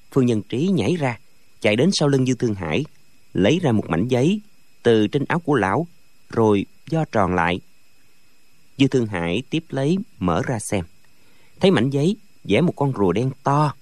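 Guy reading a kung fu novel aloud, animated voice, dry recording. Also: mid-range voice, no room sound. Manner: expressive storytelling. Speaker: audiobook narrator. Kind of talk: scripted narration of a martial arts novel.

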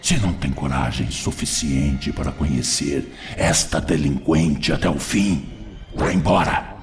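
An actor playing a mocking, vindictive male spirit in a radio drama, with a gravelly, sarcastic, theatrical delivery. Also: rumbling low, measured pace. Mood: mocking, defiant. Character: mocking, vindictive male spirit, former obsessor, sneering and defiant. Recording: music bed behind the voice.

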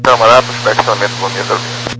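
A man's voice: fairly low pitch, steady tone, rapid-fire. A male airline pilot talking over aviation radio, making clipped, routine calls to air traffic control.

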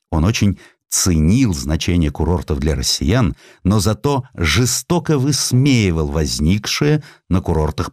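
A male audiobook narrator with a fairly low voice reads in a dramatic, emphatic way. His pitch moves widely as he shapes the literary storytelling. The recording is dry and close, with no room to it. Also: darkish tone, no room sound. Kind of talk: expressive scripted literary narration.

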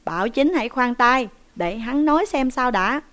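A woman's voice: high voice, lively intonation, moderate pace, fairly bright tone. A woman voicing a formal male constable. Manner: formal, polite.

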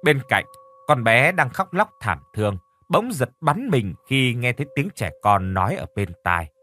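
Lively male horror story narrator. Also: medium pitch, moderate pace, dry recording. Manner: steady storytelling, acting out characters' lines.

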